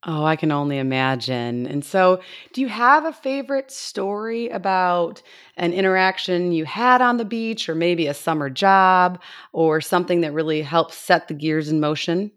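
A woman with a notably low voice hosts a casual podcast interview. She talks with bubbly enthusiasm, often restarting her sentences as she gushes. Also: moderate pace, a bit bright. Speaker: podcast host.

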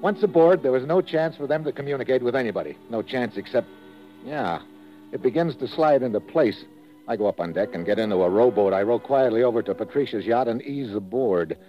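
A man's voice: mid-range voice, expressive, fairly quick, natural voice. A man acting as a tough, wry American secret agent in a 1950s radio drama, with clipped hard-boiled narration. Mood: tense narrating. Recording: muffled old radio recording with music.

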